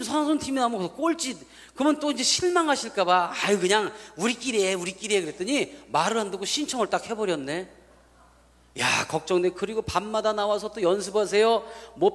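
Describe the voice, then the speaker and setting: A male pastor tells a story from the pulpit, bringing it to life by acting out each person's lines. His voice sits high and swings widely in pitch. Long reverb from the church rings around him. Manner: animated, acts out dialogue in different voices. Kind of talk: storytelling sermon.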